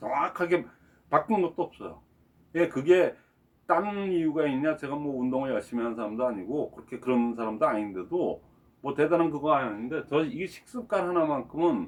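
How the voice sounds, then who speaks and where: Fairly high pitch for a man, very wide pitch swings and a moderate pace. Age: 60s. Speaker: network marketing business leader. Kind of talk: lecture. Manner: conversational, with fillers.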